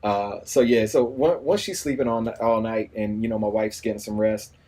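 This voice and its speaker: A man's voice: lowish voice, fairly even intonation, moderate pace, a little mellow. A man in his forties talking casually in an interview, easygoing and rambling, often saying "you know what I mean.". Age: 40s. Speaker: radio personality and new father.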